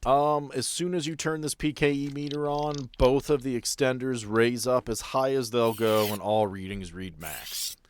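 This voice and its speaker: A man's voice: medium pitch, steady tone, moderate pace, few pauses, a little hiss or hum. A man narrating a tabletop roleplaying game as game master in a casual way.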